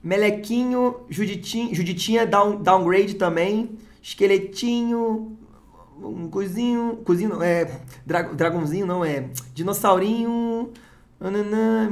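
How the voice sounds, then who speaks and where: A Brazilian-accented host chats casually through an unboxing. The delivery is drawn-out and unhurried overall, at a middling pitch, and breaks into excited swearing and repeated exclamations. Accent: Brazilian Portuguese. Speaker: card-opening channel host.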